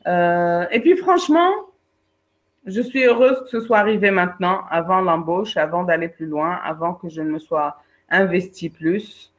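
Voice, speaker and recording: A woman, a career coach and trainer giving a lively webinar talk, speaking straight to her participants and acting out her examples. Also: fairly low pitch, moderate pace. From Algeria. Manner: lively, addresses participants directly, acts out examples. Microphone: video call. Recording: dull lo-fi online webinar audio.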